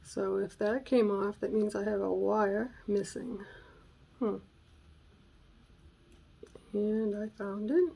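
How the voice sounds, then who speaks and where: A woman with a raspy voice hosting a casual craft tutorial at home, thinking aloud and sometimes dropping to a whisper as she works. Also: medium pitch, steady tone, slow pace, pauses often, warm tone, poor audio. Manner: chatty, thinking aloud while working, drops to whispers. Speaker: craft channel host. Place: home craft room on a gray day. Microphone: camera mic, moves close and away while working.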